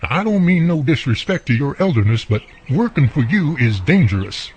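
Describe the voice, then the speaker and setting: A man's voice: fairly high pitch, big pitch swings, moderate pace, darkish tone, a little hiss or hum. An actor playing a friendly, plainspoken country handyman neighbor with an American country accent, talking folksily in a radio drama. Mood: wary, firm. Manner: folksy, colloquial, drawling turns of phrase. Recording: muffled, lo-fi audio.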